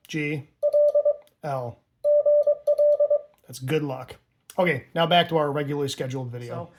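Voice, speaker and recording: Male tutorial presenter, noticeably high pitch, informal and conversational, explaining step by step with casual asides. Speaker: amateur radio instructor and operator.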